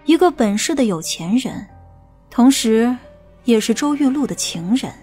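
A woman playing a stern, knowing female investigator in an audiobook, with a brisk, assertive manner. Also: on the high side, lively intonation, dark tone, slightly rough, soft background music. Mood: explaining. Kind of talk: audiobook character dialogue.

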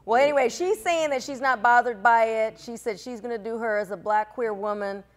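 A woman's voice: a little high, a little fast. A woman in her forties co-hosting a studio talk show, reading out news items and steering the banter back on topic. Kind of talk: casual talk show chat. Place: studio around a table.

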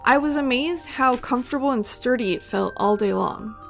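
Woman, vlog voice-over, chatty and playful, slightly high with vocal fry. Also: moderate pace, soft background music. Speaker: vlogger. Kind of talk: voice-over narration. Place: home voice-over recording.

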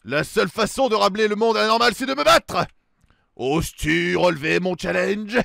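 Guy doing a slow booming demon villain monologue for a game, taunting, gravelly, drops down low. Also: sharp tone, dry recording, clean studio sound, full character voice. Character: menacing demon monster villain, gloating and taunting. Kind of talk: dramatic read-aloud of video game dialogue.

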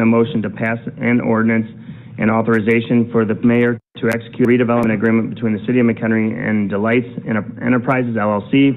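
Man chairing a council meeting, tinny sound. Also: on the low side. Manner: brisk, procedural, reads agenda items aloud. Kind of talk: formal meeting procedure. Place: large city council chamber, indoors.

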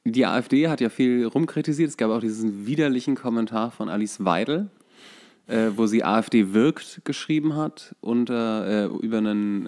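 A man's voice: lowish voice, a little mellow. A man chatting casually and jokingly as a podcast co-host. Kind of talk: casual chat.

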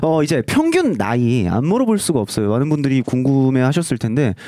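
A young man hosting a casual interview in a bright studio, speaking into a handheld mic, joking and laughing often. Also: mid-range voice, very animated, fast talker, dry recording. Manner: playful, laughs often, teasing. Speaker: host. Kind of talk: casual radio-style interview.

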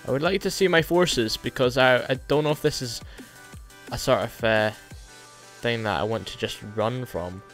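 A man's voice: mid-range voice, normal speed, fairly bright tone, faint music behind. A young man casually commentating a strategy game, rambling and correcting himself, his nose a little blocked. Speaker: let's play host.

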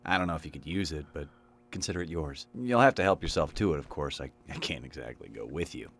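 Earnest, apologetic young man, deep and lively pitch. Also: fast, breathy edge, heavily acted.

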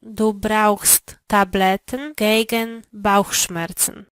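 Female co-presenter, measured answers, dry close recording. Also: medium pitch, flat delivery, fairly bright tone, no room sound. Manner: slow, clear answering in drills. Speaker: language lesson co-presenter. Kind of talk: language lesson answers.

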